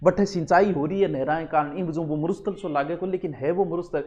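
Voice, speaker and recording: A man's voice: fairly high pitch, fairly even intonation, fairly quick, a little mellow, lo-fi sound. A man with a Rajasthani accent teaching an exam-prep geography lesson, chatty and full of homely local examples.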